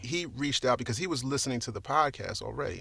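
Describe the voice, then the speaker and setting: Speaking with a New York accent, a man uses lively intonation and a bright, sharp tone at a fairly high pitch. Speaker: audio description narrator and advocate. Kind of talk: interview conversation. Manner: casual, conversational.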